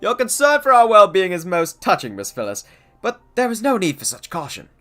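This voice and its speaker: A man voicing a pompous gentleman inspector from a video game, reading lines in a grand, theatrical way. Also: high voice, wildly swooping pitch, a little fast, voice pushed up, heavily acted. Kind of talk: game dialogue read aloud.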